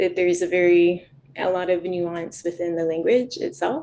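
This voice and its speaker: With a dark, mellow tone, a woman speaks at a moderate pace in a fairly low pitch. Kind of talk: interview. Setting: video call.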